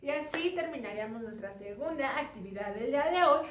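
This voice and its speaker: A kindergarten teacher, leading an online lesson for young children with slow, drawn-out letter drills. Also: female voice, high voice, lively intonation, a bit bright, slight background noise. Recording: very echoey room, voice far from mic.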